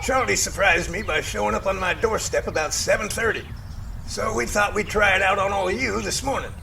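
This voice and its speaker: Gleeful and heavily acted, this high, brisk voice with vocal fry belongs to a man cast as an excitable, folksy professor leading a search team. The amateur audio drama uses theatrical, old-fashioned wording, and there's a little hiss or hum on the recording.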